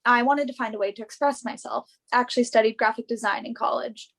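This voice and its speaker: Young female model, acted by a woman, play reading: highish voice, earnest, self-assured, assertive. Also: steady tone, fast talker, creaky, fairly bright tone. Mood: enthusiastic. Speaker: actor in a virtual staged reading.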